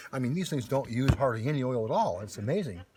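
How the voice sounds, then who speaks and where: Somewhat breathy, a man with a medium pitch talks at a fairly quick pace. His intonation is lively. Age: 60s. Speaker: mechanic. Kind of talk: casual chat. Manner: halting.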